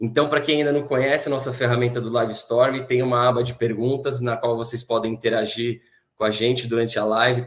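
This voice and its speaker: Somewhat breathy, a man speaks fairly quickly at a medium pitch with monotone, flat intonation. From Brazil, Santos (São Paulo state). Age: 30s. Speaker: study group host. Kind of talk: live online talk. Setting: video livestream.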